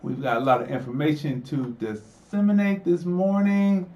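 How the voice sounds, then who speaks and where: A man hosting a podcast, talking in casual commentary, animated and joking, laughing often. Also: on the high side, moderate pace, highs cut off. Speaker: podcast host.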